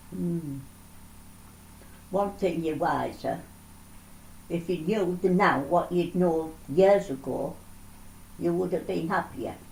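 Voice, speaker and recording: Speaking at a very slow pace with long, frequent pauses, a woman uses a fairly low pitch, vocal fry and fairly even intonation. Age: 80s+. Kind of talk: interview answer.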